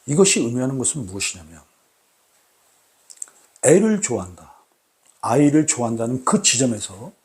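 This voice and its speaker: A man hosting his own channel, talking to camera in a formal, deliberate way with many repeated rhetorical questions. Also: medium pitch, a little mellow. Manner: repetitive, emphatic rhetorical questions. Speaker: channel host. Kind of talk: solo talk to camera.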